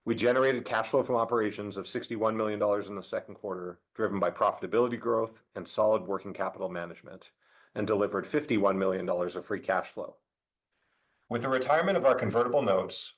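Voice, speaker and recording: A man reading a scripted corporate financial presentation as a finance chief, in a formal, measured manner. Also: lowish voice. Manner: formal, measured delivery of figures. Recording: dull, lo-fi conference call audio.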